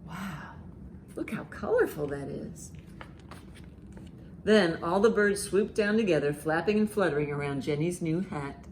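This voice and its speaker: A woman hosting a children's storytime, reading aloud and reciting rhymes with expressive, deliberate emphasis. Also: low voice, a little hiss or hum. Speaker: library storytime host.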